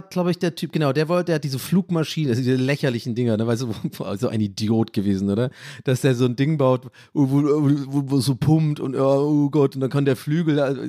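Rambling German podcast host, dry sound. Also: male voice, mid-range voice, dark tone, no room sound. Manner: rambling, loses his train of thought, self-mocking. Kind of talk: casual rambling chat.

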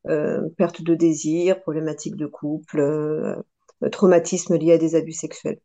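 A woman's voice: sits low, level tone, a little slow, warm tone. A French woman in her forties, a coach and guest on a podcast interview, speaking thoughtfully with many hesitations and restarts. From France. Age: 40s. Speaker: guest, personal development coach.

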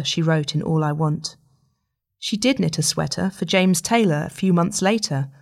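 A woman narrates a long-form piece of journalism. Her voice sits a little lower than most women's. The delivery is scripted, as a writer reading her own feature.

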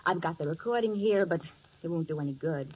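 An actress playing an eager, excitable young female office worker in a 1940s radio drama. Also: on the low side, fairly quick, husky. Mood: confiding. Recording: dull, muffled old radio recording.

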